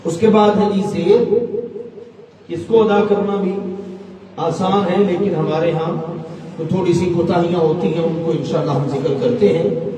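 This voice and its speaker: A man's voice: high-pitched, steady tone, a crowd in the background. A man teaching a recitation lesson, patiently chanting each sound as he explains it. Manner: slow, patient, demonstrates sounds by chanting them. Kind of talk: tajweed lesson. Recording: roomy hall echo, distant mic, faint noise.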